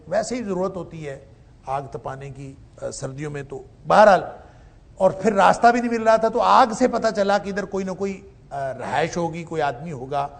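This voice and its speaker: A man teaching Quran commentary in a lecture, slowly reciting Arabic verses and then explaining them with rising emphasis. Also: fairly high pitch, vocal fry.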